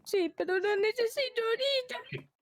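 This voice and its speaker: A woman's voice: very high-pitched, normal speed. A woman voicing a naive, childlike drooling noob with a plaintive manner in an improvised Minecraft roleplay. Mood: sad, pleading.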